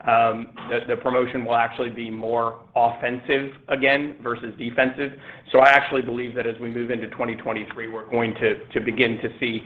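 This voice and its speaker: A man speaking as a company executive answering analysts on an earnings call, in a halting, measured corporate way over a phone line. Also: mid-range voice, little pitch movement.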